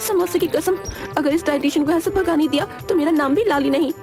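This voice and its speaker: A dramatic young cartoon bride who is always hungry, voiced by a woman, pleading and whining in a very high voice. Loud music plays under every line. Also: brisk, lightly acted. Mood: whiny.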